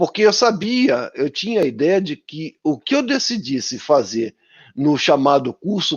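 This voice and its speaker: Very wide pitch swings in a man's voice, delivered fairly slowly. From Rio de Janeiro, Brazil. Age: 70s. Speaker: professor. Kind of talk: online panel discussion.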